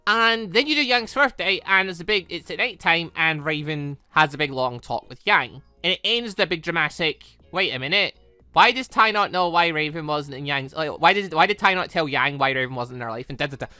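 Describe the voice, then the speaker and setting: A man's voice: fairly high pitch, lively intonation, fairly quick, bright, forceful tone, clean tone, no echo, faint music behind. A man giving casual, rambling let's-play commentary as a gaming video host, often correcting himself mid-thought. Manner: rambling, self-correcting, informal.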